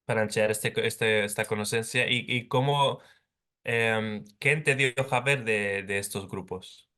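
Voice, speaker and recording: A man's voice: on the low side, unhurried, bright, forceful tone, clear, resonant tone. A man hosting an online interview, asking questions and encouraging his guest with frequent short listening sounds. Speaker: host, interviewer. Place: home in London.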